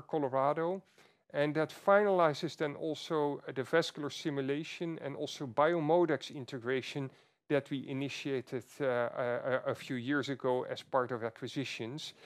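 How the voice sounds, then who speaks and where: A male chief executive delivers a business update in a formal earnings call setting. He has a mid-pitched voice and feels his way through sentences, often restarting and repeating phrases.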